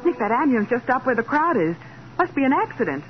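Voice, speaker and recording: A woman's voice: sits high, sing-song, quick pace. A woman playing a detective's wry, curious young assistant in 1940s radio crime drama, with a questioning manner. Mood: alarmed. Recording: muffled, noisy 1940s radio recording.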